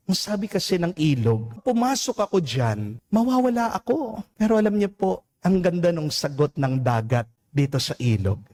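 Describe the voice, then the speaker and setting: A Filipino priest giving a homily, preaching slowly and deliberately, drawing out English phrases and asking his listeners "Amen?". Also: fairly high pitch, warm tone. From Philippines. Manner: slow, deliberate preaching with emphatic rises and drawn-out English phrases; addresses listeners as "mga kapatid" and asks "Amen?".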